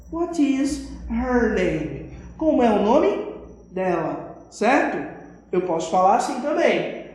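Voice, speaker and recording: A woman's voice: on the high side, darkish tone. Echoey Brazilian woman teaching kids. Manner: patient, keeps checking understanding with tag questions. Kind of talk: recorded video lesson for children. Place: classroom with a whiteboard. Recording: very echoey room.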